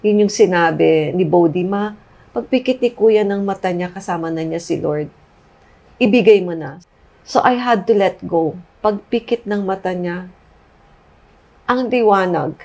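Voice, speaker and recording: A woman's voice: mid-range voice, a little mellow. A middle-aged woman with a Filipino accent giving a personal testimony as a guest, mixing Tagalog and English as she recounts what was said. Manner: recounts quotes, switching between Tagalog and English.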